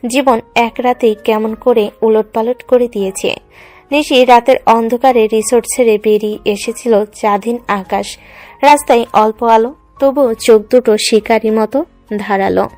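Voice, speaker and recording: A woman's voice: on the high side, darkish tone. A woman reading dramatic scripted narration for a love story. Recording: music under the voice.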